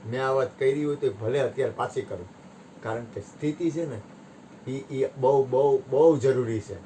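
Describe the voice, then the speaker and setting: A man giving a satsang discourse, telling parables with sharp rises and drops in his voice. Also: medium pitch, normal speed, slight background noise. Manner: animated storytelling, voice rising and dropping sharply. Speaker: spiritual teacher.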